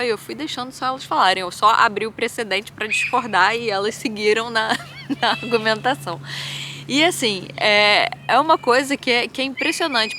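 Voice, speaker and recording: Woman in her 30s ranting on her vlog, bright voice, lots of "né" and "assim", bit of faint noise behind. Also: a little high. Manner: animated venting, frequent fillers like "assim" and "né". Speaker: vlogger and hospital doctor. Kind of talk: candid vlog monologue.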